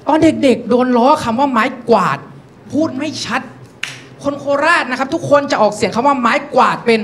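A man's voice: extremely high pitch, moderate pace. A man from northeastern Thailand performing a live stand-up set, telling stories and slipping into character voices, speaking into a handheld mic. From Nakhon Ratchasima, Thailand. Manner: storytelling, animated voices, polite particles. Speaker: stand-up comedian.

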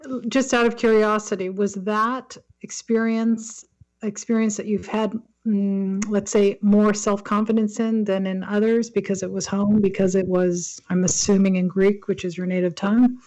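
A woman interviewing a guest, asking gentle questions and affirming what she hears. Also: mid-range voice, level tone, moderate pace, rough recording. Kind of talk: conversational interview.

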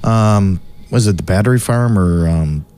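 A man's voice: fairly low pitch, a little slow, warm tone. A man hosting a podcast, talking in a casual, rambling way with many fillers. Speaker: podcast host.

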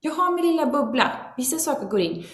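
With a high-pitched voice and a roomy sound, a woman talks earnestly as a guest in a relaxed conversation. She gets animated, occasionally performing the voice of her own inner critic.

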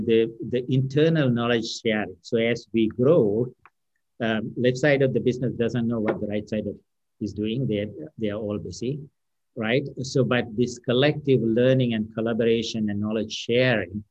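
A man speaking English as his third language, answering interview questions as a company founder with many fillers, pauses and restarts. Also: mid-range voice, fairly even intonation, a little mellow, dry recording, highs cut off. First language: non-English first language. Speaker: company founder and CEO, guest. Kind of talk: unscripted podcast interview answer.

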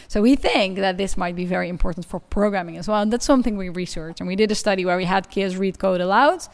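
A woman speaking fast in a medium-pitched voice talks about her research as a guest in a conversational interview. English is not her first language, and she explains her work with enthusiasm.

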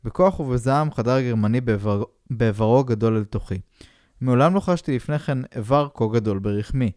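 A man, a podcast co-host, reading a pulp novel aloud in a flat, deadpan way. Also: mid-range voice, dry recording, clean studio sound.

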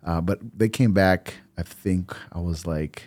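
A young man, born in Costa Rica and raised in Milwaukee, talking casually as an interview guest in his office, with a relaxed, rambling way of telling stories and many fillers. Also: low voice, measured pace, no room sound. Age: young adult. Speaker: financial advisor, guest. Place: high-rise office.

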